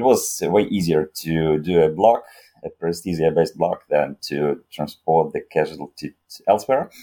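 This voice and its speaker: A man with a very deep, low voice talks at a moderate pace with ordinary pitch variation. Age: 30s. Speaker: army doctor. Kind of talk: interview. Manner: halting.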